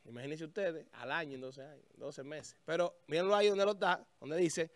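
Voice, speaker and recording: High-voiced man hosting a show. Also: a little fast, no room sound. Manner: talks while searching a website, thinking aloud with restarts. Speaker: show host. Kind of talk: casual on-air chat. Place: small studio with a festive desk. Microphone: studio mic on a stand.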